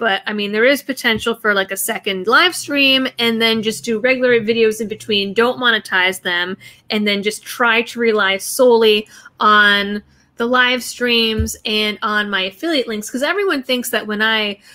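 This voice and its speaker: The tone of this woman's voice is bright and sharp. She keeps a moderate pace with ordinary pitch variation. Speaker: live streamer. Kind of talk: casual live stream chat. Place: home room. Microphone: webcam.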